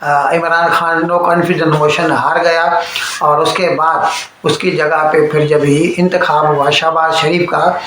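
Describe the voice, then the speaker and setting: Heavy room echo, faint noise, South Asian man, fairly high voice, explanatory news monologue, English terms mixed in. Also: level tone, slow pace, fairly bright tone. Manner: conversational, mixes in English terms. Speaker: political news commentator addressing viewers.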